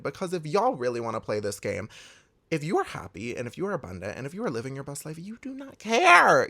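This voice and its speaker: A young man giving a candid, emphatic pep talk, swearing freely and confiding in his viewers. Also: creaky. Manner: emphatic and expressive, swears freely, big swoops in pitch. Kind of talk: candid motivational monologue.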